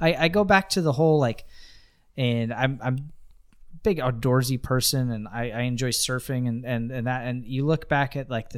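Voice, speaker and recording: This very clean recording with a silent background features a man at medium pitch. He talks at a moderate pace with ordinary pitch variation. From California Central Coast. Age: 30s. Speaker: brewery founder/brewer. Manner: joking, self-deprecating.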